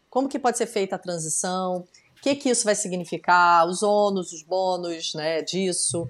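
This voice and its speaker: A woman talks at a moderate pace in an ordinary speaking voice, on a very clean recording with a silent background. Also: medium pitch for a woman, lively intonation. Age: 40s. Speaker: style consultant and content creator. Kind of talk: casual chat.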